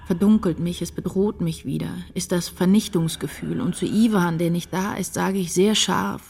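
An actress playing an introspective woman writer, narrating her inner life in a measured, literary radio-drama style. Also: lowish voice, steady tone, creaky, a little mellow. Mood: brooding. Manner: measured, deliberate.

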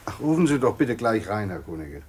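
An actor playing a brisk, skeptical judicial official in a German radio play, courteous but authoritative. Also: male voice, lowish voice, big pitch swings, darkish tone, husky.

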